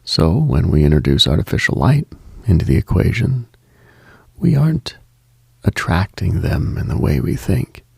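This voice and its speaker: A man hosting late-night radio with a slow, reflective monologue, measured and contemplative with deliberate pauses. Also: low voice, creaky, a little mellow, breathy edge, no room sound, studio quality.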